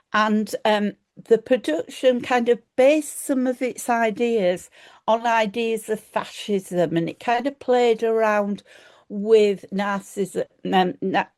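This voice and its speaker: A middle-aged woman with a broad Yorkshire accent delivers a lecture at an unhurried, slow pace. She talks in a loose, chatty way, with many ums and restarted phrases. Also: mid-range voice, darkish tone. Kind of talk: academic lecture.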